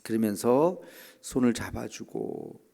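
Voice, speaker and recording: Middle-aged male pastor, dark gravelly voice, chatty dawn sermon in a church with long reverb. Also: fairly low pitch, lively intonation, slow pace. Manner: conversational preaching with frequent "예" and "에" fillers; acts out quoted voices of children and church members. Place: church sanctuary.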